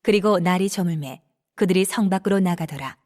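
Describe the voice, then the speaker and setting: A woman narrating scripture from a script in a measured, formal manner. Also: fairly low pitch, a little mellow. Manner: measured, formal read delivery.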